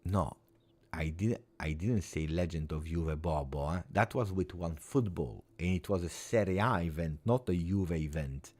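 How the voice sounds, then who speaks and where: A man's voice: low-pitched, moderate pace, a little mellow. A man in his forties speaking English as a non-native language, hosting a casual live chat with viewers, rambling and repeating himself in an earnest way. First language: not English. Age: 40s. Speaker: fan channel host.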